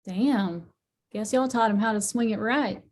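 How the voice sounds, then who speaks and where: A woman's voice: medium pitch, a little slow, a little mellow, natural voice. A woman playing a tough, foul-mouthed small-town matriarch, blunt and folksy, in a drama table read. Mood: grimly matter-of-fact.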